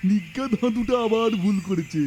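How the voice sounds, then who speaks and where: A man's voice: sits high, a little fast, very noisy, natural voice. A man voicing a crafty, indignant young boy in a children's comedy cartoon, exclamatory and scolding. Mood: puzzled, protesting. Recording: loud music behind the voice. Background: loud music.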